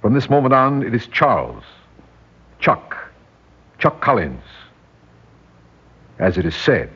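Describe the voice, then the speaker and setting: A man's voice: mid-range voice, very animated, slow pace, a bit bright, breathy edge, exaggerated voice. An actor playing a stern, commanding male spy instructor who speaks in a curt, formal, clipped way, in a 1960s radio drama. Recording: dull lo-fi old radio recording.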